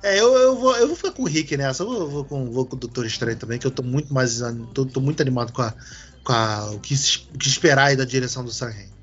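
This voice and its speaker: A man hosting a casual podcast chat, animated, swearing casually and restarting his words. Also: medium pitch, quick pace, husky, dull audio, faint music behind. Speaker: podcast host.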